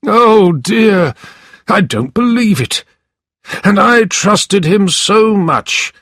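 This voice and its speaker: A man reading a storybook aloud, voicing a fussy, scheming male lawyer with theatrical, high-pitched exclamations. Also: animated, very slow, fairly bright tone, no echo, studio quality, heavily acted. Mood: mock shock.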